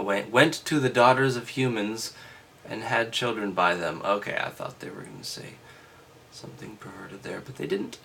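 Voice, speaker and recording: Man, medium pitch, casual reading, hesitant, skeptical offhand remarks, wry, just woken up. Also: a bit bright. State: just woke up. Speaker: host reading aloud and commenting. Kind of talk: casual read-aloud with offhand commentary.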